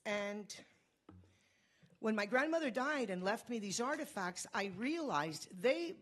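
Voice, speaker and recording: A woman from Cuba giving a fast, earnest conference talk, telling a personal story. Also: on the high side, lively intonation. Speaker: conference speaker.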